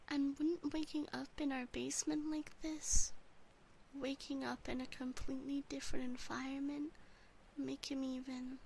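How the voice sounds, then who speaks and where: A woman voicing a cute, fretful, adoring yandere demon sister in a soft, sweet, mostly whispered ASMR roleplay, close on a binaural microphone. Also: high-pitched, gravelly, a little hiss or hum, exaggerated voice, low-quality recording.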